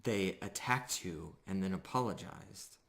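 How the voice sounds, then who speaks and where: A man voicing a composed, stern female night elf commander in a fantasy tabletop game, questioning in a measured, clipped way. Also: deep voice, a bit bright. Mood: grim, decisive.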